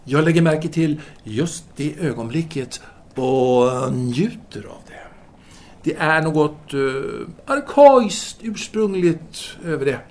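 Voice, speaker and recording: A man's voice: fairly high pitch, lively intonation, natural voice. An actor playing a self-absorbed French intellectual lover in an audio drama, speaking formally and hesitantly as he earnestly justifies himself. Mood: confiding. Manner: formal, halting, theatrical hesitations.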